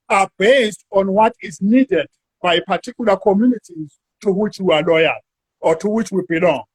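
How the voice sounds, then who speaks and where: A South African man, a university academic, talking through an academic discussion in a measured way and drawing words out while he thinks. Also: high-pitched, husky, low-quality recording.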